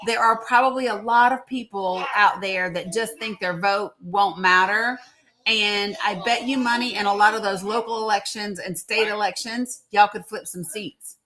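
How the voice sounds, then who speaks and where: A woman's voice: mid-range voice, fairly even intonation, normal speed, sharp tone. A middle-aged woman, hosting a casual political live chat in an informal, encouraging way. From Tennessee, United States. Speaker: live stream host.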